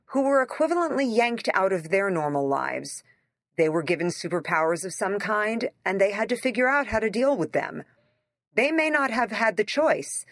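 A woman's voice: medium pitch, fairly bright tone, no echo. Dry-sounding studio woman, wry essay narrator. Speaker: essayist reading their own article aloud. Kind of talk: scripted essay narration, conversational and opinionated.

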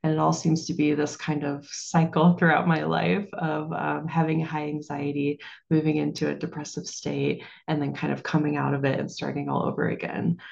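A woman's voice: low voice, level tone, normal speed, creaky, darkish tone, lo-fi sound. A woman speaking as a panelist, sharing a personal story in a candid, reflective way.

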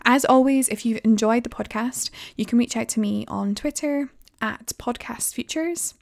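A young woman from Fife with a softened Scottish accent, hosting a podcast in a conversational style. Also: on the high side, normal speed, vocal fry, no room sound, clean studio sound. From Fife, Scotland. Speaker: podcast host.

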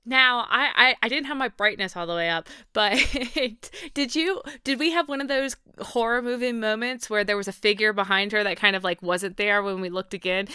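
Woman cohosting a chill podcast, bright crisp voice, giggly, trips over her words a lot. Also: mid-range voice, no echo, clean studio sound. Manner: chatty, laughs often, self-interrupting. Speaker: podcast co-host. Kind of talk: casual chat.

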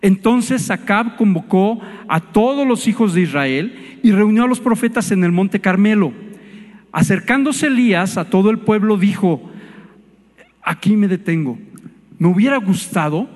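A man's voice: high-pitched, a little slow, a little mellow, long reverb tail. A man preaching a sermon in a conversational way, asking his congregation questions.

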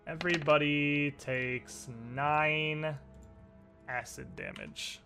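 A man narrating a tabletop role-playing game as game master, telling it deliberately and with suspenseful pauses. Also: a little high, vocal fry, bright, forceful tone, soft background music.

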